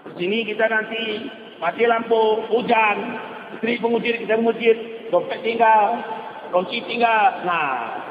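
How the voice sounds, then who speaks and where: A man's voice: sits high, unhurried. A man with an Acehnese Indonesian accent preaching a humorous sermon with folksy, joking asides. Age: older. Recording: echoey hall, muffled, noisy.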